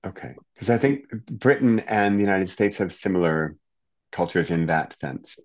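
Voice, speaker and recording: A man with a very deep, low voice hosts a podcast conversation. He sounds open and encouraging, often backing his guest with quick affirmations, and the audio is somewhat dull and lo-fi. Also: lively intonation. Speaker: podcast host.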